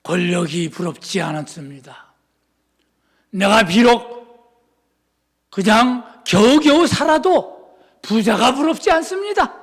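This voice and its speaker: Man preaching, pastor, high-pitched voice, fervent shouts dropping to quiet asides, long church reverb. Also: animated, slow pace, gravelly, long pauses. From Seoul. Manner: swings from fervent shouting to hushed, soft-spoken asides. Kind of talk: sermon. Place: church sanctuary.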